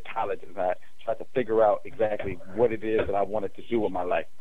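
Fairly quick pace with audible room echo. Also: man. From Alabama. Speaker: student organizer. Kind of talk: radio interview.

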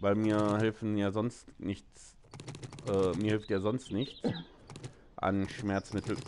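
Speaking very slowly, a man uses a fairly low voice, monotone and flat, with very even loudness. Long, frequent pauses break up his speech, and there is noticeable background noise. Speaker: gaming streamer. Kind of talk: casual live game stream chat. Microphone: headset.

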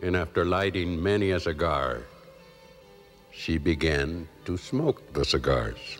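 Over music in the background, a resonant voice speaks at a very slow pace. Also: man. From northern New Mexico. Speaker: author. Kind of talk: literary reading.

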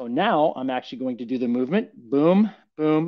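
Here is a plain, everyday voice with lively intonation. It moves at a fairly quick pace over a quiet background. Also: man. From Canada. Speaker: guitar teacher. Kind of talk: casual interview chat with lesson explanation. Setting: live stream. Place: home room. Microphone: webcam.

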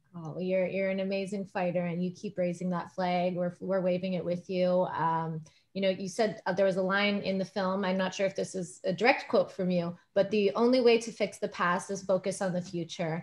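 A woman speaks in a somewhat breathy voice. Her delivery is monotone and flat at a moderate pace. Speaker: festival host. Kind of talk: live Q&A hosting. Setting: virtual event, video call. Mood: warm, admiring. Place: home room. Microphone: video call.

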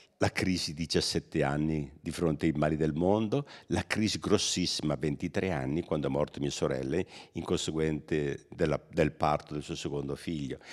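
Vocal fry runs through this moderately paced voice, which keeps a fairly even intonation against a quiet background. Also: man, very deep, low pitch for a man. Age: 70s. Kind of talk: interview. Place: home room. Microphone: handheld.

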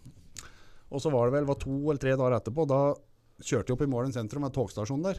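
Against a quiet background, a man with a dark, mellow tone speaks at a very fast pace with ordinary pitch variation. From Eastern Norway, Moelven; Eastern Norway. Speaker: former strongman; podcast guest. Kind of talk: casual chat. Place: studio. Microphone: studio mic.

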